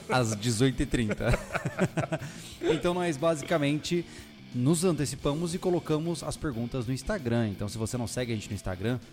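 A man hosting a casual podcast, relaxed and joking, recorded in a bare new house whose room still echoes. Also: mid-range voice, moderate pace, soft background music. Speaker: podcast host. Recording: long echo from a bare room.

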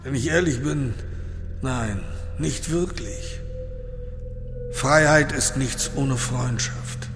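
A man's voice: mid-range voice, music in the background, voice pushed up. A man voicing a weary old white-haired horse. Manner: weary, soft and slow.

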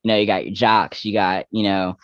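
A young adult trans man, appearing as an interview guest, speaks in a low register with little pitch movement. Candid and personal, he reflects haltingly, with many fillers, restarts, and self-corrections. The sound is dry, close-miked on a modest mic, slightly muffled, with no room sound.

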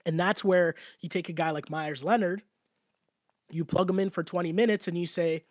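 A man with a slightly high voice, worn thin because he is losing it, breaks down a basketball game in loose, chatty commentary. The sound is close and dry, with no room around it. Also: fairly even intonation, normal speed, no room sound. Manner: conversational, repetitive, often asks "right?". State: losing his voice. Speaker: basketball show host. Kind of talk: casual sports commentary to a live chat.

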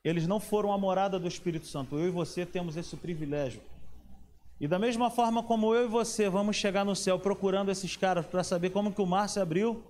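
A man's voice: sits high, fast talker, darkish tone. A man preaching a sermon in a conversational way, often asking the audience questions.

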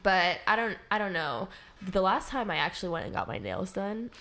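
A woman's voice: medium pitch, expressive, normal speed, fairly bright tone, a little hiss or hum. A young woman from Hawaii in a candid, casual group chat, laughing often as she talks.

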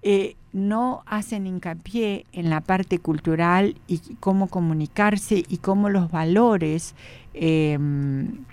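A woman's voice: on the low side, takes it slowly, darkish tone. A woman psychologist talking as a radio guest in a studio, rambling with restarts. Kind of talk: radio interview.

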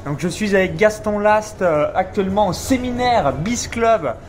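A man hosting a casual business interview at a seminar, explaining and coaching listeners in a brisk way. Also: sits high, lively intonation. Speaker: YouTube interviewer and host. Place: seminar venue.

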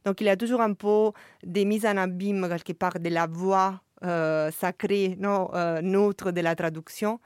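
A woman artist speaking French with a non-native accent, reflecting on her work at a listening session and often pausing and restarting as she searches for words. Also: medium pitch, fairly even intonation, clear, resonant tone, no room sound, studio quality. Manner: hesitant, searching for words, many fillers and restarts.

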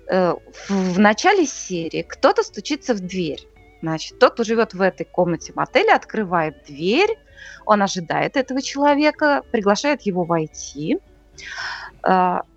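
Animated woman chatting about TV. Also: medium pitch, dull audio. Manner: lively, explains plots step by step. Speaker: podcast co-host. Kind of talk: casual TV review chat.

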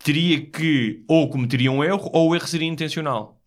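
A man's voice: on the high side, fairly quick. A man with a European Portuguese accent explaining ideas in casual conversation, often checking that he is understood.

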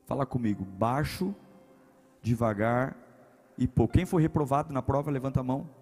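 A man with a Brazilian Portuguese accent, a pastor preaching a humorous sermon, swinging between loud punchy lines and hushed ones. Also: mid-range voice, moderate pace, breathy edge, soft background music.

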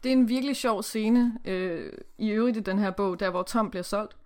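A woman's voice: mid-range voice, darkish tone. A woman hosting a podcast, chatting casually, bluntly, and swearing freely, who reads passages aloud. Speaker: podcast host. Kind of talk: casual chat with reading aloud.

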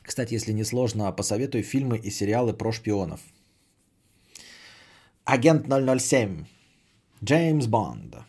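A man's voice: on the low side, big pitch swings, a little slow, long pauses, a little mellow, slightly rough. A man hosting a podcast, chatting casually and sardonically as he answers audience messages, often swearing and repeating phrases. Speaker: podcast host.

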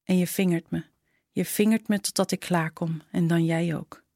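A woman narrating a short story in a slow, intimate reading style. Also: fairly low pitch, steady tone, darkish tone, dry recording, studio quality. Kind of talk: scripted storytelling.

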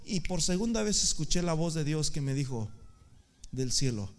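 A man preaches with a high-pitched voice. He repeats words for emphasis and rises to fervent shouts. It is the sound of a congregation sermon. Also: animated, brisk.

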